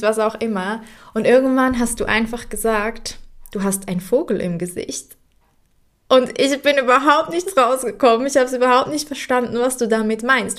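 Soft-spoken young woman, heartfelt monologue. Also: a little high. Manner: heartfelt, speaking directly to a late grandfather; soft and reflective, sometimes dropping to a near whisper. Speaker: podcast host. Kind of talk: unscripted personal monologue.

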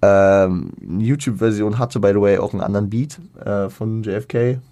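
A man's voice: on the low side, normal speed, mellow, no room sound. A man giving a casual spoken music review, hesitant, with many fillers, restarts and colloquial slang.

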